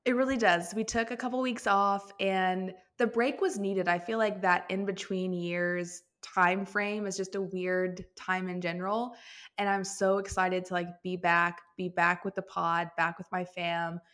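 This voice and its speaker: A woman's voice: fairly low pitch, level tone, measured pace, fairly bright tone. A woman from the American Midwest co-hosting a podcast in a bubbly, enthusiastic way. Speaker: podcast co-host. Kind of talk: casual chat.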